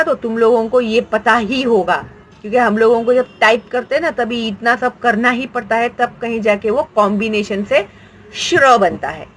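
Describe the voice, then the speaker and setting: Slow, patient teacher woman. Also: fairly high pitch, fairly bright tone, a little hiss or hum, low-quality recording. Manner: patient, explains slowly, asks and answers own questions. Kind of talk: Hindi grammar lesson.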